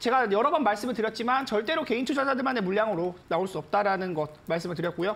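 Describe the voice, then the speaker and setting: This woman talks at a very fast pace. Her pitch swings very widely. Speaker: stock market expert. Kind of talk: market commentary. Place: studio. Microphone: lapel.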